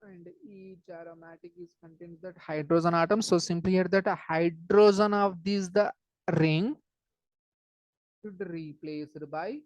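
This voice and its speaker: In a dry, close recording with dull audio and no echo, a chemistry teacher with a South Asian accent explains step by step in a lowish, darkish voice. Her tone is steady and unhurried, and she repeats key phrases, pausing often to check in with short questions.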